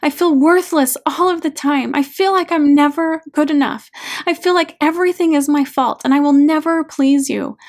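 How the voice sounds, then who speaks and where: A woman's voice: fairly high pitch, slow, creaky, a little mellow, exaggerated voice. A woman voicing a hurting daughter in a therapy story, wounded and pleading with her father in an emotional way. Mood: angry, anguished.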